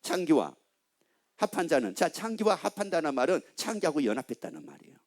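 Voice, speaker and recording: A man's voice: a little high, big pitch swings, fast. A male pastor preaching a sermon in a church, emphatic and constantly asking the congregation questions.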